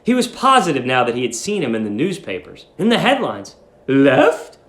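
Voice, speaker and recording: A man's voice: medium pitch, huge pitch swings, brisk, a bit bright. A man narrating in a dramatic storybook reading style. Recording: roomy echo.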